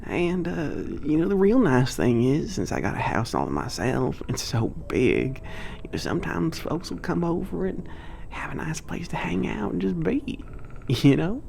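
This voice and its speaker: A man's voice: on the high side, sing-song, a little slow, creaky, a little mellow, slight background noise, full character voice. A man playing a friendly, anxious young half-giant villager in an ASMR roleplay, chatty and folksy with hesitant, nervous delivery. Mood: nervously boastful.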